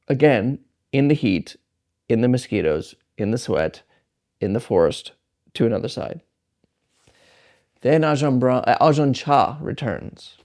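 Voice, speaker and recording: A man teaching meditation, telling a story in a relaxed, conversational way with frequent fillers and restarts. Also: medium pitch. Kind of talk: casual storytelling talk.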